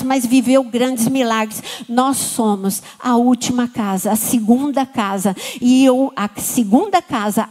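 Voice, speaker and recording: A woman with a Brazilian Portuguese accent preaching a sermon with fervor and calling out to her congregation. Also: high voice. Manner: fervent, call-and-response with the congregation.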